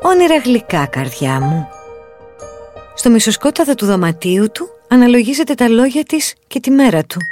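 Children's story narrator, a woman with a lively expressive read over soft music. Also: mid-range voice. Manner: expressive, animated reading.

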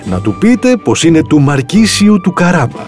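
A man voicing a sly, clever male cat in boots in a storybook reading, pleading and eager in a higher voice than his narration. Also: sing-song, darkish tone, faint music behind.

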